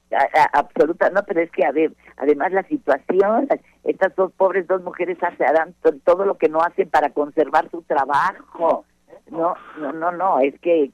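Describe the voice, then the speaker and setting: A Mexican woman, a stage actress, chatting in an interview, effusive and full of repeated words and quick "no, no, no" asides. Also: low voice, dry recording, dull audio. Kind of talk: casual interview chat.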